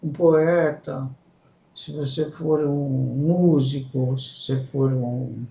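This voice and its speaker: Brief: older woman from italy, unhurried teacherly explainer, gravelly voice, roomy sound. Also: deep voice, steady tone, dark tone. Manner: unhurried, explains in steps, checks in with "certo?". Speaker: psychoanalyst guest. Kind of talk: reflective explanatory interview talk.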